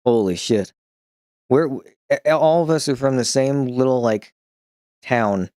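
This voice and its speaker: A man streaming in a casual chat, telling rambling, profane stories with frequent restarts and chuckling along, who picks up a slight New York twang when he gets excited. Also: medium pitch, a little slow, no echo, clean studio sound. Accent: slight New York-style twang when excited.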